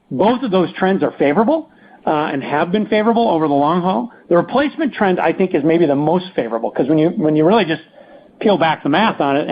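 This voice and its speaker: A man speaking as a company executive answering questions on an earnings call, halting and often restarting his phrases. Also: fairly high pitch, muffled recording. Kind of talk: unscripted business Q&A on an earnings call.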